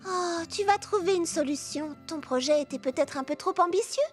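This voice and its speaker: Casting: a kind, encouraging girl friend in a cartoon, high-pitched, over light music. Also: moderate pace. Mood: reassuring. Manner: gentle, reassuring. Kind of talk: French cartoon dub acting.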